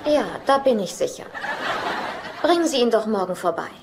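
A no-nonsense teacher, noisy soundtrack. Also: female voice, on the high side, lively intonation, moderate pace. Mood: businesslike. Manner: curt, firm. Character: no-nonsense female ballet teacher, dismissive and firm. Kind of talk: dubbed sitcom acting.

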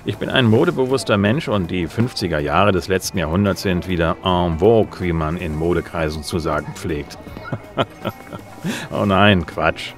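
An actor playing a self-assured, gruff bounty hunter in a science fiction radio play, dry and laconic. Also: male voice, low-pitched, moderate pace, natural voice. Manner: laconic, dry, noir-style. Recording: music under the voice.

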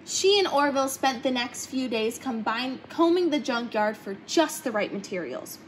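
High-pitched young woman reading a storybook. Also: lively intonation, normal speed, slight background noise. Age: young adult. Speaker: storybook reader. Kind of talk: reading a children's picture book aloud. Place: indoor hangar-like museum room, seated in open cockpit.

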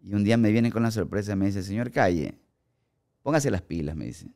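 A man in his forties with an Ecuadorian accent, a guest actor telling animated stories in a podcast studio on a boom mic. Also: brisk, gravelly. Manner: animated storyteller acting out quoted remarks. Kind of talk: casual podcast storytelling. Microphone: studio mic on boom arm, headphones.

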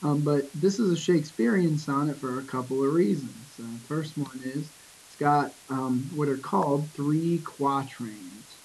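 A man teaching a poetry lesson in a relaxed, casual way, with lots of ums and restarts, reading verse lines slowly. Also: on the high side, a little hiss or hum, rough recording. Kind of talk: casual screen-recorded lesson.

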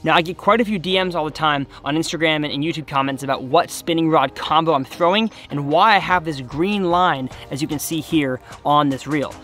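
A man's voice: on the high side, fairly quick, few pauses, fairly bright tone, soft background music. A man in his twenties giving casual, enthusiastic instruction to camera as host of an outdoor fishing channel. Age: 20s. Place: outdoors on a bass boat by a reedy shore.

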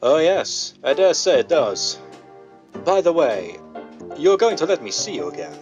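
A man playing a smooth but nervous crooked businessman in a 1930s style radio drama. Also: a little high, sing-song, measured pace, music in the background. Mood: charming. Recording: dull band-limited vintage-style radio sound.

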